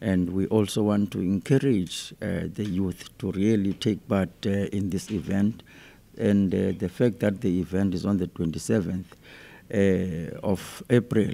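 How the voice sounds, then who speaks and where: At a fairly slow pace, a man speaks in a fairly low, dark, mellow voice with fairly even intonation. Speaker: city mayor. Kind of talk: public speech at launch event. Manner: halting, many fillers.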